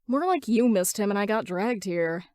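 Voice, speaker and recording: A woman voicing a gruff, irritable young man in a story reading, grumbling and sardonic. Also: medium pitch, expressive, moderate pace, darkish tone, no echo, clean studio sound, close to an everyday voice. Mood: irritated.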